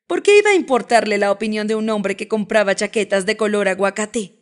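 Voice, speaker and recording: Woman narrator, romance audiobook, lively dramatic read. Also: medium pitch, brisk. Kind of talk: scripted narration.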